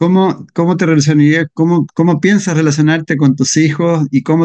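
Against a quiet background, a man talks at a moderate pace. His fairly high pitch shows ordinary pitch variation. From Chile. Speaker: podcast host. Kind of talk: interview. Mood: warm, calm. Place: home room. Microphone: video call.

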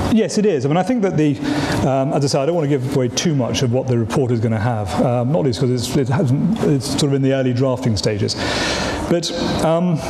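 Noticeable background noise runs under the recording. A man speaks at a very fast pace. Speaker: politician answering audience questions. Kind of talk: interview answer. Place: stage.

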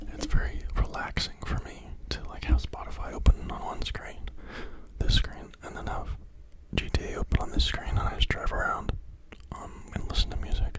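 A man speaks at a moderate pace with long, frequent pauses. The sound is dry with no echo, over loud background noise. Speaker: ASMR creator. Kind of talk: casual vlog chat. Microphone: studio mic.

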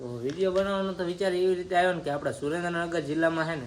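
A man's fairly high voice comes through with audible room echo. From Gujarat, Surendranagar district. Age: young. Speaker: vlogger. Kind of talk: casual vlog Q&A. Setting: outdoors in front of his house.

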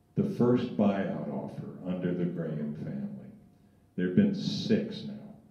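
A man with an American accent speaks over a quiet background, with audible echo in the room. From New York City (Bronx); New York City. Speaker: newspaper columnist; guest, former journalist. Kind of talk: talk to an audience. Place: hall.

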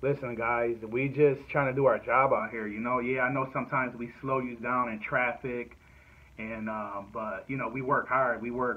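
The speaker keeps a moderate pace in a monotone, flat intonation. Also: man. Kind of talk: casual vlog chat. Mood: calm, friendly appeal. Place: home room. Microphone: phone near.

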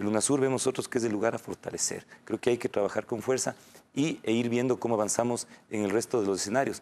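Very fast pace from a man with very even loudness and fairly even intonation. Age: young. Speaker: presidential candidate; candidate. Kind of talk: televised political Q&A. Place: studio. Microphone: lapel.

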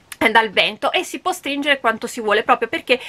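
With a high pitch, a woman talks using ordinary pitch variation. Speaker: presenter. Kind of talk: tutorial. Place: shop.

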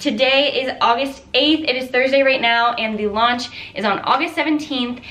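Her voice raised and projected, a woman speaks at a fairly slow pace with ordinary pitch variation. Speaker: fitness clothing vlogger. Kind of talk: casual vlog chat. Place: home room. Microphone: camera far.

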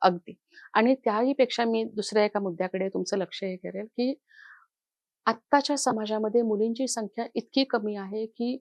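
With an ordinary speaking voice, a woman speaks at a fairly high pitch and fairly even intonation in a dry, close sound with no echo and a quiet background. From Maharashtra, Vidarbha and Pune. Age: 50s. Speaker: social worker running an NGO. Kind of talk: interview. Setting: studio.

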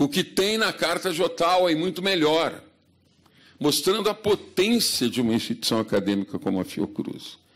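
Over a quiet background, a high-pitched man speaks at a moderate pace with very wide pitch swings. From Brazil. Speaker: public health researcher; panelist. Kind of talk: seminar talk. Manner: conversational. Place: hall. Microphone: podium.

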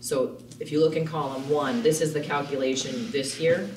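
A man talks in a fairly high voice whose pitch varies in an ordinary way, with noticeable noise in the background. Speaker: school business manager. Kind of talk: budget presentation.

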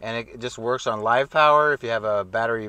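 This man's voice has a bright, sharp tone and fairly even intonation. He talks at a moderate pace, and the sound is dry with no echo. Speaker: car-living vlogger. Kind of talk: casual vlog tutorial. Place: car. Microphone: lapel.

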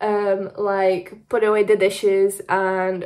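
A woman talks in a monotone, flat way with a British accent. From UK. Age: 20s. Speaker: vlogger. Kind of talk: casual vlog chat. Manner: chatty, hesitant with fillers.

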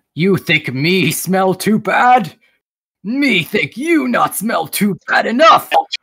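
Bellowing in a put-on character voice at a middle pitch, the speaker goes very slowly on a very clean recording with a silent background. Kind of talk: broken, simple speech.

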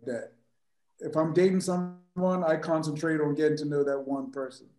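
In a quiet background with audible room echo, a man talks at a fairly high pitch with ordinary pitch variation. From Bermuda. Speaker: church member. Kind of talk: casual discussion. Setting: video call. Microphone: video call.

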